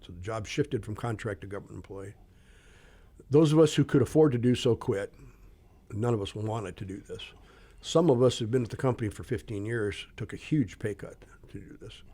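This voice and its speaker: A somewhat breathy man with an American accent, a dark, mellow tone and a medium pitch, at a fairly quick pace with ordinary pitch variation and big swings in loudness, in a very clean recording over a silent background. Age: 60s. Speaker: retired Air Force pilot and flight instructor. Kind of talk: casual interview conversation.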